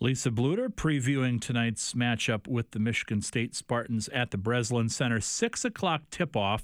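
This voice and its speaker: Over a silent background on a very clean recording, a man speaks in a normal speaking voice at a moderate pace, with medium pitch and ordinary variation. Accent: American. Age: 40s. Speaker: sports radio host. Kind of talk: sports talk radio. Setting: studio.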